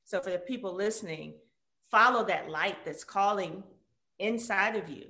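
Animated woman from Detroit, echoey room. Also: medium pitch, normal speed. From Detroit, USA. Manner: animated storyteller, lively quoted voices. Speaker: guest. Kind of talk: casual conversational interview. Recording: roomy echo.

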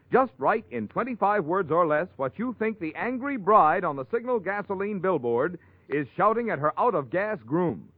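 A man's voice: on the high side, dry recording. A man as an eager announcer reading a 1940s radio advertisement. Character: eager male radio pitchman. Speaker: commercial announcer. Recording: dry, tinny old radio broadcast.

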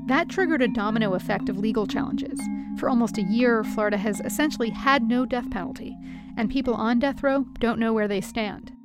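A woman radio host presenting a special in a steady, explanatory, scripted way. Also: a little high, brisk, over loud music.

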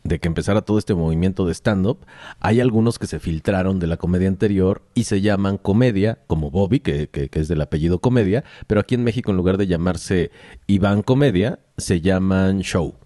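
A man speaking as a guest on a podcast in casual conversation, calm and explaining things patiently. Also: low-pitched, brisk, no echo, clean studio sound. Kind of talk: casual chat.

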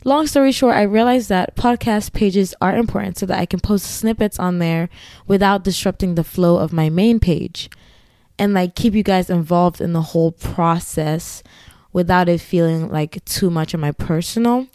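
A woman's voice: fairly low pitch, moderate pace, darkish tone, no room sound, clean studio sound. A woman with a Ghanaian accent hosting her own podcast solo, chatting in a rambling, giggly way with asides. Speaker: podcast host. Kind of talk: casual solo podcast chat.

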